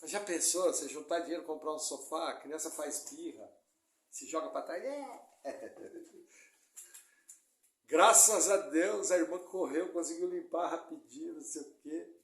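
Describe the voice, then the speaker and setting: A man preaching a sermon as pastor, lively and joking, acting out voices of church members. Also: fairly high pitch, unhurried, gravelly. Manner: lively, joking preaching with mimicked congregation quotes. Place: church hall. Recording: echoey church hall.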